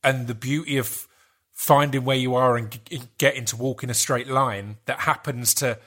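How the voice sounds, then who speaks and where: Essex-accented male host, mid-pitched, chatting casually with a guest. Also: steady tone, normal speed, pushed and bright. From Essex, England. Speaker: podcast host. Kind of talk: casual interview chat.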